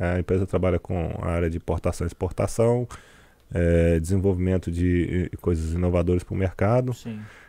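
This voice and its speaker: A man speaks with a very deep, low pitch at a moderate pace. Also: very clean recording, silent background. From Brazil. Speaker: entrepreneur. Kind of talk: casual interview. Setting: live video stream.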